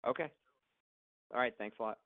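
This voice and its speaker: A man's voice: mid-range voice, fairly quick, slight background noise. A man questioning executives as an analyst on an earnings call, blunt and pressing in a conversational way. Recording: dull, dry conference phone audio.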